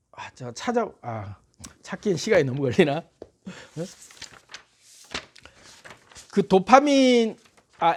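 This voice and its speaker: A man giving a motivational talk in a playful, animated way. His pitch swings widely up and down as he laughs often and urges listeners to try things. His tone stays warm and conversational throughout. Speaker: motivational speaker.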